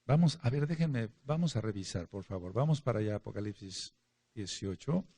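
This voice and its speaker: A man's voice: lowish voice, lively intonation, fairly quick. A man preaching a sermon and reading scripture aloud, emphatic, with his voice rising and falling. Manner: emphatic preaching, asks for amens, swings between loud and quiet.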